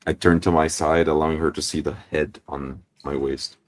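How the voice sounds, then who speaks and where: A man playing a tabletop roleplay game, describing his character's actions in the first person, deliberate and descriptive. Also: extremely low pitch, level tone.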